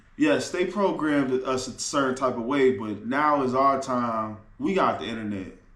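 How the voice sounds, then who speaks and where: A man with an American accent at a medium pitch and moderate pace, ordinary pitch variation, hardly any pauses, audible room echo and noticeable background noise. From US Midwest, Detroit, Michigan. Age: 20s. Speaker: traveler. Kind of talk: interview. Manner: casual.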